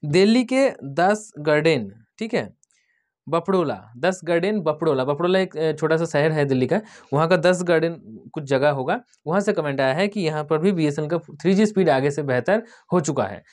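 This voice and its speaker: A man's voice: on the high side, expressive, moderate pace, darkish tone. A man from India hosting a tech channel, casually going through viewer comments, spelling out place names letter by letter and often repeating "okay".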